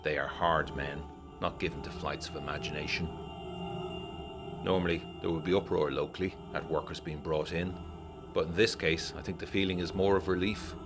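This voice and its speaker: Very deep, brooding gothic narrator. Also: male voice, steady tone, music in the background. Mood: brooding, grave. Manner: measured, literary, brooding storytelling. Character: haunted, uneasy war-veteran man writing letters in 1925. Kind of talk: gothic audiodrama monologue, letter read as narration.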